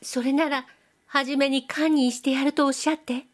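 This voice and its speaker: Brief: coy young girl with a soft nasal lilt, pitched high, as a woman reader puts her on. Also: fairly even intonation, normal speed, natural voice. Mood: coy, pleading. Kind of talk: audiobook reading.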